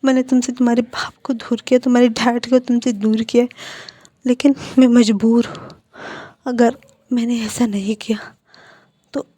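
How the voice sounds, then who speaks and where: A heartbroken young man lashes out and then pleads, as a woman reader puts him on. The voice sits a little high and soft-toned. He is bitter and protective in this storybook fan fiction reading. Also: slightly rough. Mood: pleading.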